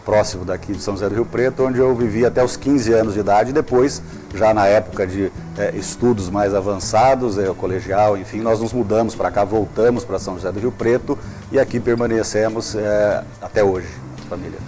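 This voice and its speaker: Measured, low-voiced man in his fifties. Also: mellow, soft background music. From Brazil. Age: 50s. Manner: measured, formal, with frequent hesitations. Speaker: guest, public prosecutor. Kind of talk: studio interview. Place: TV studio.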